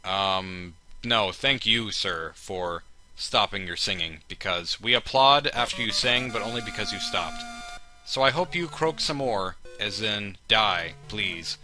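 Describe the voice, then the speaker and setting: Bright-voiced man doing game commentary over music. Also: lowish voice, animated, a little slow. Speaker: let's play host. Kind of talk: humorous video game commentary.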